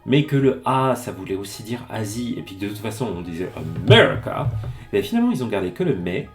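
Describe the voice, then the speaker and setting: A man teaching Japanese in French on a live stream, reading passages aloud and explaining them in a chatty, lively way. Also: fairly low pitch, brisk, soft background music. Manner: greets chat viewers by name. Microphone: streaming mic.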